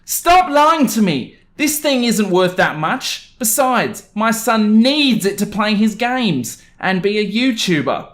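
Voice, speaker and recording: A man voicing a haughty, indignant, demanding mother in a storytelling narration, with a shrill delivery. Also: big pitch swings, takes it slowly, hardly any pauses, fairly bright tone, heavily acted. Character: pushy, indignant entitled middle-class mother, adult woman.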